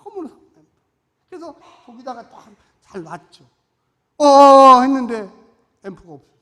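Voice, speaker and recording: A male pastor delivers a sermon as a lively story, jumping from loud outbursts to quiet asides. His voice is bright and sharp. It rings out with the long reverb of a church hall. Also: very high-pitched, moderate pace. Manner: animated storytelling, swinging between loud and hushed. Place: church sanctuary.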